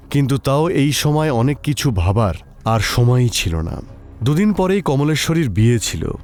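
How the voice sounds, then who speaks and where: একজন পুরুষ কথক লিখিত ভূতের গল্প পাঠ করছেন।. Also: male voice, medium pitch, a little mellow. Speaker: narrator. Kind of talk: scripted horror story narration.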